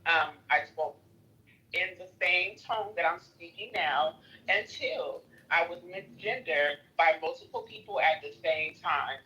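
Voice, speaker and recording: A forceful, bright voice with an African American accent argues in a live audio chat. The delivery is emphatic and combative, peppered with profanity, and comes through thin, radio-like phone audio. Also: medium pitch, measured pace, highs cut off. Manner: emphatic, confrontational, profanity-laden. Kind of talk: heated argument on a live audio chat app.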